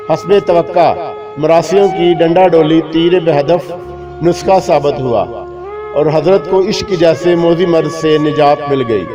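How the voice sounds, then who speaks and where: A man reading a scripted humorous moral tale in a measured, literary, mock-solemn storytelling manner. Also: a little high. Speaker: story narrator. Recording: dull lo-fi recording with music behind. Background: clear background music.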